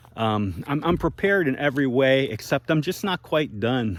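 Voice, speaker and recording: At a moderate pace, this man's medium-pitched voice moves through very wide pitch swings. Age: 60s. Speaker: hiking vlogger. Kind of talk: casual vlog monologue. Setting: outdoors. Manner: halting, with many restarts and fillers.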